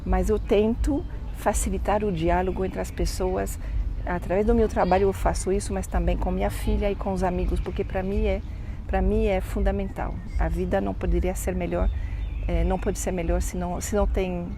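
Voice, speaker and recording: A middle-aged woman from Canada, a French native speaker, talking in a casual interview and often pausing to restart her words. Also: medium pitch, little pitch movement, noisy background. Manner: thoughtful, pauses and restarts words. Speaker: interview guest.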